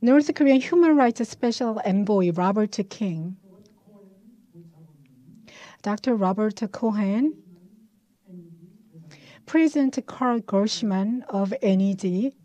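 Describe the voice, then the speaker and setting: A woman working as a live interpreter of a formal speech, with a measured, halting delivery. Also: medium pitch, animated, warm tone, dry recording.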